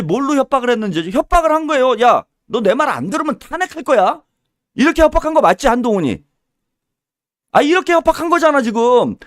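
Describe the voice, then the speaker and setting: A man's voice: very high-pitched, dry recording, studio quality. A man giving a solo political commentary, heated and scolding, with mocking insults and little acted-out dialogues. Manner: acts out little mock dialogues.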